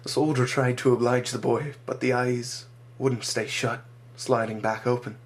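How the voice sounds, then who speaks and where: Man narrating his own dark story. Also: medium pitch, little pitch movement, moderate pace.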